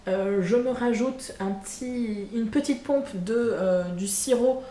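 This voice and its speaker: A woman's voice: a little high, slow pace, dark tone. A woman chatting casually in a vlog recorded at home on camera, hesitant, with lots of fillers and self-corrections. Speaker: vlogger. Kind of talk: casual monthly vlog chat. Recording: echoey room with faint background hum.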